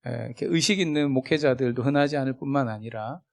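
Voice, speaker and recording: A man preaching a sermon as a guest pastor, chatty and humorous, with big swings in loudness, acting out remembered conversations. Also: mid-range voice, fast talker. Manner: acts out remembered dialogue.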